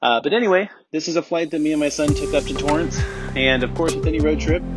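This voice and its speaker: Very fast speech in a dry sound with no echo, over faint music in the background. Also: man. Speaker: private pilot vlogger. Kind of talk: casual vlog chat. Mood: upbeat, friendly. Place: plane. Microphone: headset.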